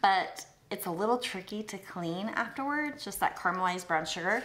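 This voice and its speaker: Light background noise sits behind a woman talking at a moderate pace. Her intonation is lively. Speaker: cooking channel host. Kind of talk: cooking tutorial. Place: kitchen.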